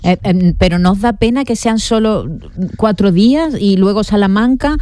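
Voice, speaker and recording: A woman's voice: mid-range voice, normal speed, warm tone, no room sound. Chatty woman interviewer, dry sound. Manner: admiring and chatty, with fillers and laughs. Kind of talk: radio interview.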